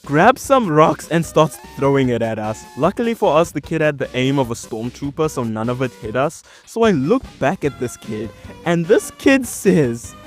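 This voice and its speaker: Young south african guy, white SA accent, jokey storytime, voice jumping up n down, faint music under it. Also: moderate pace. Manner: animated, joking, big swings in pitch and loudness. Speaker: animator and storyteller. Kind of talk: storytime narration.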